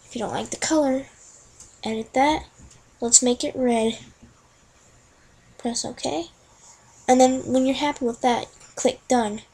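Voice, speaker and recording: Breathy woman narrating a software tutorial. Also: sits high, steady tone, measured pace, pauses often, low-quality recording. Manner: chatty, talks through each click as she goes. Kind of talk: casual screen-recorded software tutorial.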